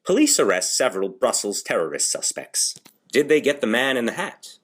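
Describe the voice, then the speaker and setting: A man's voice: medium pitch, sing-song, moderate pace, a bit bright, slightly rough. A man reading scripted news briefs as a voice-over artist in an audition.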